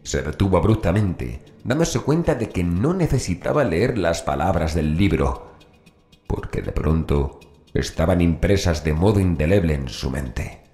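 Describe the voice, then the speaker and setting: Male audiobook narrator, very deep pitch, scripted horror storytelling, echoing sound, light music underneath. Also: very animated, measured pace, mellow. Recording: roomy echo with faint music. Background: background music.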